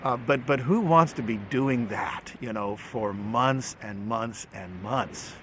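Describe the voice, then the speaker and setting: A man's voice: medium pitch, takes it slowly, a bit bright, slight background noise. A middle-aged man hosting a casual Bible teaching talk, folksy and humorous, often restarting his words and chuckling.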